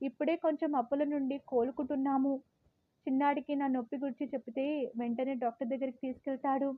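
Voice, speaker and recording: A woman's high voice with monotone, flat intonation. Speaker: homemaker who reads and narrates stories. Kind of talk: story narration, emotional tale read aloud.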